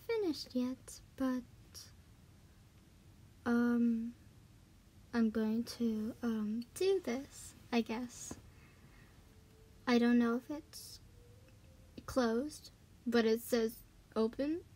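A woman's voice: a little high, mellow, slightly rough. A woman speaking casually and hesitantly, apologetic and unsure, as an amateur introducing a voice audition. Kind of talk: casual, self-conscious introduction.

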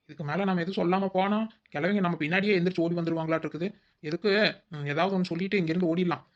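Rapid-fire scheming daughter-in-law, acted by a woman. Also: on the low side, steady tone, darkish tone, lo-fi sound, lightly acted. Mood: exasperated. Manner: muttering asides, fretful. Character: scheming, exasperated young village daughter-in-law. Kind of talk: cartoon comedy dialogue.

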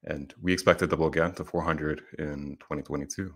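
A young man from Puerto Rico giving a prepared conference presentation, earnest and steady, speaking into a headset in a small room. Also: rumbling low, brisk, slightly rough. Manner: earnest, steady explanatory delivery.

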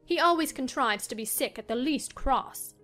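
A woman playing a high-pitched, willful young gentlewoman. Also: expressive, normal speed, faint music behind. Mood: restless, complaining. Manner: emphatic, self-assured. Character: willful, spoiled, excitable young gentlewoman, married. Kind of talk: dramatized audiobook reading of a classic novel.

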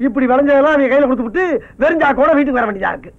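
An actor playing a grumbling, greedy comic farmer who rants and wails loudly, in film comedy dialogue. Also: male voice, very high-pitched, rapid-fire. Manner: loud comic wailing and ranting. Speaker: comic villager husband. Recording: dull lo-fi film soundtrack.

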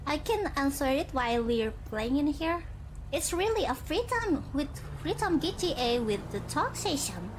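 A young woman from Indonesia chatting casually while gaming on stream, halting and searching for words, often giggling. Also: high voice, sing-song, noisy background. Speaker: virtual streamer.

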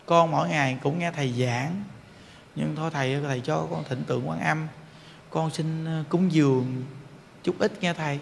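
A man voicing a humble, shy young laborer who speaks haltingly and meekly, in a Southern Vietnamese accent. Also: on the high side, vocal fry, in a large hall, a little hiss or hum, voice pushed down. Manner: hesitant, halting, meek.

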